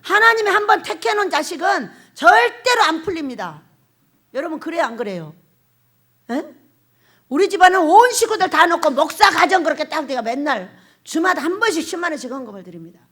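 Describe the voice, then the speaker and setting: A woman pastor delivers a sermon in a high, animated voice. Her pitch swings widely as she presses the congregation with emphatic questions. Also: a little fast. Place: church or prayer house hall.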